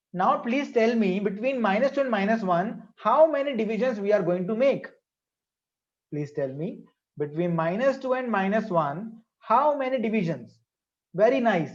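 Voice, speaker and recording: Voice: mid-range voice, darkish tone. South Asian teacher, dull lo-fi sound. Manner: repeats phrases and questions to prompt pupils. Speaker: maths teacher. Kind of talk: interactive online class lesson, asking questions.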